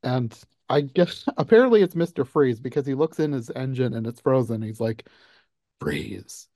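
A man hosting a casual podcast, recapping an animated film and laughing often as he talks. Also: mid-range voice, brisk, no room sound, clean studio sound. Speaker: podcast host. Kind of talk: casual film review chat.

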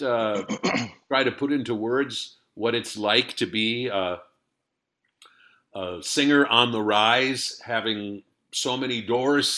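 A man hosting an interview, asking measured, courteous questions. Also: medium pitch, pushed and bright. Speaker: radio interviewer host.

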